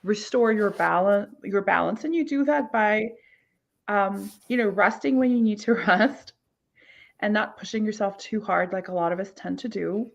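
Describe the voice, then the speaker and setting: Brief: woman from Ukraine, tarot host, gravelly voice, muffled lo-fi sound. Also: mid-range voice, moderate pace. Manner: chatty, many fillers. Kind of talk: live online tarot reading. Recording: dull lo-fi sound.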